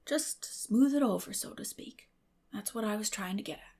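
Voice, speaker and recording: Woman playing a hushed, gentle older farmer man. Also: mid-range voice, normal speed, natural voice. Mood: eager. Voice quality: hushed, whispery. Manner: hesitant, coaxing.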